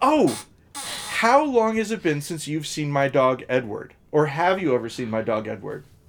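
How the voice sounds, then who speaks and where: Over noticeable background noise, a man with a fairly high voice moves through very wide pitch swings. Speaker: podcast host. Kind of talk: casual chat. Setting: video call.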